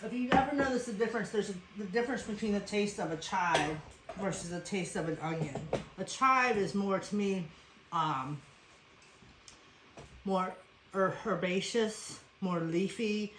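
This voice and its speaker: Unhurried and medium-pitched, a woman from Western Pennsylvania talks viewers through a casual cooking demo. She's chatty, explains as she goes, and often wanders into asides. The space sounds echoey, and background noise is plainly audible.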